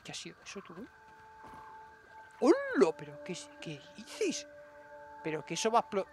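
A man's voice: sits high, huge pitch swings, measured pace, darkish tone, faint music behind. A man with a Spain Spanish accent giving let's-play commentary, muttering to himself and bursting into exclamations, recorded on a desk mic at home. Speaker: gaming streamer.

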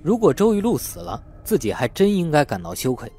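A man reads a crime novel as an audiobook. His voice has a slightly rough, husky grain and moves in animated swings of pitch. Faint music plays behind him. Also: brisk. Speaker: audiobook narrator. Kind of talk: scripted audiobook narration of a crime novel, acting out dialogue. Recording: faint music bed under the voice. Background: faint background music.

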